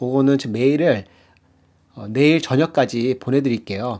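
A man with a dark, mellow tone speaks at medium pitch and a fairly slow pace in a very clean recording with a silent background. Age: middle-aged. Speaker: stock market YouTuber. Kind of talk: casual vlog commentary. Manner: hesitant, many filler sounds.

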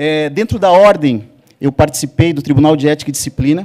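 Against a quiet background, a man speaks at a fairly quick pace. His fairly high voice has a dark, mellow tone. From southern Brazil, Santa Catarina (Araranguá); Santa Catarina, Brazil. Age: 50s. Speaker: labour lawyer; candidate. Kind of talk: formal address to a council hearing. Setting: speaking from a rostrum before a live audience. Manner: formal. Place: hall. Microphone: podium.

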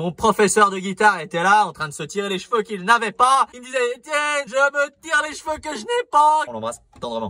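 A man speaks fairly quickly in a raised, projected voice, with a dry sound and no echo. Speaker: comic vlogger. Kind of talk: casual vlog chat. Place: car. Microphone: phone near.

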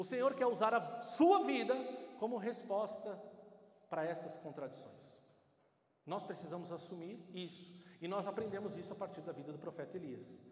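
With audible room echo, a man speaks at a high pitch and a moderate pace, using ordinary pitch variation and long, frequent pauses. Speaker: preacher. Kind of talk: sermon. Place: church. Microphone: handheld.

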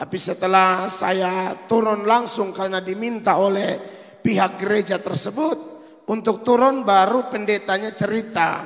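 A man with a high pitch speaks in an animated tone with ordinary pitch variation. His pace is fairly slow. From Kupang, East Nusa Tenggara, Indonesia. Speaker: pastor. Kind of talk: sermon. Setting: church. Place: church. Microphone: handheld.

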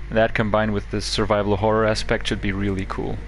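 At an unhurried but not slow rate, a man talks while music sounds behind him. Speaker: game streamer. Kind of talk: casual gameplay commentary. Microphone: headset.

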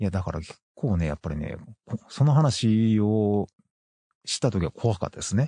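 Recorded dry with no echo over a quiet background, a man with a fairly low pitch and a dark, mellow tone talks at a moderate pace with lively intonation. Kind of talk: storytelling. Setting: campsite by a lake at night. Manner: hushed, quiet tone for campsite quiet hours. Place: open country.

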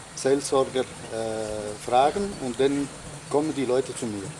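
A man with an Italian accent at a very slow pace, fairly high pitch and fairly even intonation, amid noticeable background noise. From Italy, Piedmont. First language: Italian (speaking German). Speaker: prison chaplain. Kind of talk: interview; interview answer. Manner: halting, many fillers. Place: garden.

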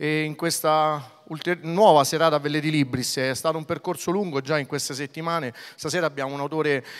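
The man's intonation is fairly even and his pace fairly quick. The background is quiet. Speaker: event host. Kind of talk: event announcement. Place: stage. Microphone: handheld.

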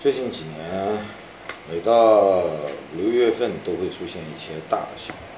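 Amid audible room echo and noticeable background noise, a man speaks fairly slowly at a fairly low pitch, with ordinary pitch variation, big swings in loudness and long, frequent pauses. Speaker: political news commentator. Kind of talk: solo news commentary.

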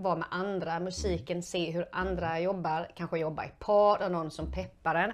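There is vocal fry in this woman's medium-pitched voice. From Skåne, southern Sweden. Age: 50s. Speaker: prosecutor and former local politician; interviewee. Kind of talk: interview; interview answer. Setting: filmed interview. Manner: halting. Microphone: lapel.

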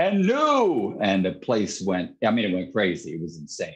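A man's moderate pace and ordinary pitch variation come across clearly over a quiet background. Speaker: boxing ring announcer. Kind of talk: casual interview answer about boxing career. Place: home room. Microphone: video call.

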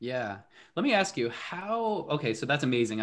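A man's voice over a quiet background. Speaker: psychotherapist. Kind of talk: casual chat.

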